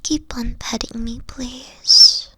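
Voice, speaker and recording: A woman voicing a gentle, insecure young three-tailed kitsune girlfriend in an ASMR roleplay, speaking softly with frequent whispers and sighs. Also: on the high side, fairly even intonation, slow pace, breathy edge, no echo, heavily acted. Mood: hurt, frustrated. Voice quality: soft, whispery, sighing. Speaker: team lead.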